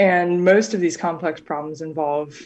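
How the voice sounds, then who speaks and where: Talking at a moderate pace, a woman with an American accent shows ordinary pitch variation. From Minnesota. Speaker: crisis management professional. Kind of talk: radio interview. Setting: remote call from home. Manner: halting.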